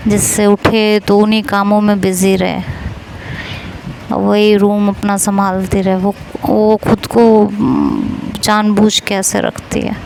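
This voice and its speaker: A woman's voice: medium pitch, little pitch movement, slow, gravelly, a little mellow, slight background noise, low-quality recording. A young woman narrating a first-person audio story in a chatty way, repeating phrases.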